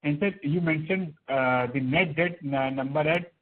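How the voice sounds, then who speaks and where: Raspy Indian man calling in by phone. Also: on the high side, normal speed. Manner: deferential, often saying sir. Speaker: caller, investor or analyst. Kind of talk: questions on an earnings call. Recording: tinny narrowband phone line.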